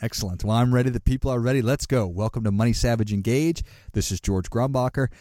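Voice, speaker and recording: A man's voice: mid-range voice, fast, mellow, dry recording, clean studio sound. A man hosting a podcast interview in an upbeat, chatty way, often repeating words as he goes. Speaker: podcast host. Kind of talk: casual interview talk.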